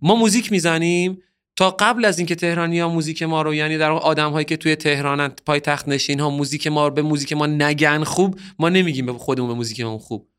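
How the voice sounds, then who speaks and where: A man's voice: a little high, steady tone, a bit bright, smooth. A man from Bushehr in southern Iran, a musician guest on a podcast, talking casually in an earnest, opinionated way that turns heated at times.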